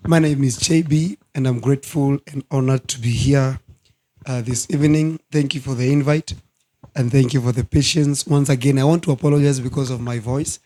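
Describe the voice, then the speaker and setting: A hoarse man in his thirties, a guest minister speaking earnestly in a studio talk show interview. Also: medium pitch, steady tone, dark tone. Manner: slow, earnest, preacherly.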